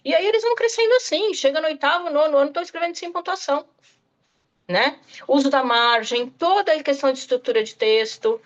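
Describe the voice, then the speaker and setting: A woman's voice: high voice, a little fast, highs cut off. A woman giving an online lecture to educators, speaking straight to her listeners and often checking in with "tá?" and "né?". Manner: talks straight to listeners, frequent "tá?" and "né?". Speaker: literacy specialist presenter.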